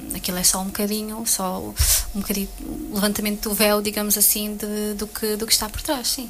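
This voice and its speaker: A fairly high-pitched woman in a monotone, flat intonation, audible room echo and noticeable background noise. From Belgium, Portuguese family. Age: 20s. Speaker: singer and songwriter. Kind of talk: radio interview. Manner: halting, many fillers.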